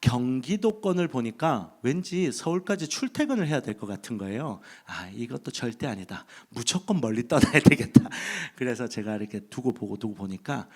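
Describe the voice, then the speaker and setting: A man's voice: mid-range voice, animated, a little fast, hardly any pauses, darkish tone. A man from Busan preaching a sermon from the pulpit of a church sanctuary, speaking into a handheld mic and telling a humorous story with acted inner thoughts. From Busan, South Korea. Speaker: pastor.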